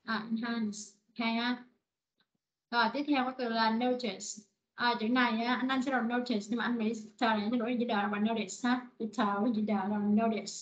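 A woman teaching an online vocabulary lesson, repeating words slowly and explaining in short phrases. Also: a little high, flat delivery, muffled recording. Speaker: English teacher.

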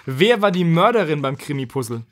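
A man hosts a casual podcast quiz for his friends. His voice sits a bit high for a man. The recording is very dry, with no room sound. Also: big pitch swings, a little fast, no echo. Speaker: podcast host and quizmaster.

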